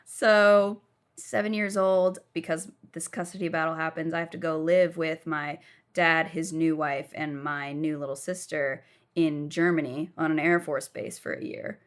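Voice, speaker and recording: A woman's voice: deep voice, steady tone, a little slow. A young woman from the southern United States, telling her life story frankly while lying down as a podcast guest.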